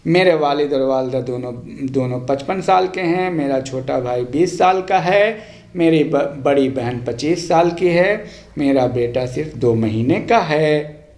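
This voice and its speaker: A man giving a language lesson, reading practice sentences aloud in a deliberate, instructive way, line by line. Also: fairly high pitch, animated, darkish tone. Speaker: language teacher. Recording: echoey untreated room.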